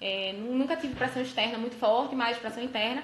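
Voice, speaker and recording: A bright, sharp tone at a very fast pace, with audible room echo. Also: woman. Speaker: federal government lawyer. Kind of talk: casual chat. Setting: live video stream.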